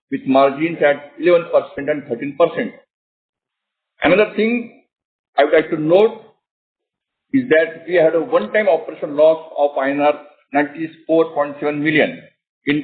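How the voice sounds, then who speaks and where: A man with an Indian accent reads a formal, measured corporate presentation as a company executive, over a tinny conference call line. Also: on the high side.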